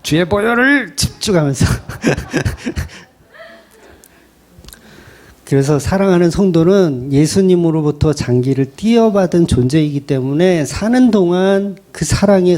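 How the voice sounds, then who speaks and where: A man's voice: a little high, mellow. A middle-aged man, a pastor preaching a sermon in a conversational style, acting out quoted voices.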